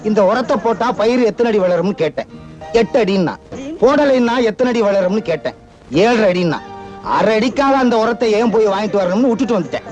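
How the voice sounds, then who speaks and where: An actor playing a naive, self-satisfied village accountant in comic film dialogue. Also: male voice, high voice, lively intonation, fairly quick, a little mellow, lo-fi sound. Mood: smug. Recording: film soundtrack with music behind.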